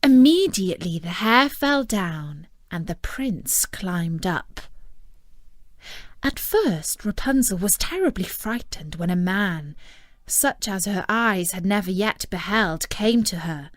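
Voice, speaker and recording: A woman's voice: medium pitch, expressive, takes it slowly, no room sound, clean studio sound. A woman narrating a fairy tale as a storyteller reading from a script.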